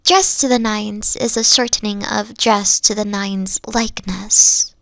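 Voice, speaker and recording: A woman voicing a gentle, insecure young three-tailed kitsune girlfriend in an ASMR roleplay, speaking softly with frequent whispers and sighs. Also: mid-range voice, steady tone, measured pace, gravelly, dry recording. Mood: explaining. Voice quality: soft, whispery, sighing. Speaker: team lead.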